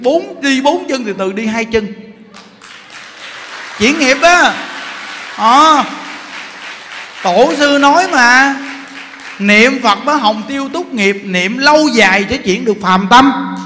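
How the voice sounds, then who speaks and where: A man with a Southern Vietnamese accent giving a Buddhist sermon as teacher, telling stories in an animated, joking way. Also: very high-pitched, slow, long pauses, some chatter behind. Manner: animated, joking storyteller, laughs often. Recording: echoey hall, faint noise.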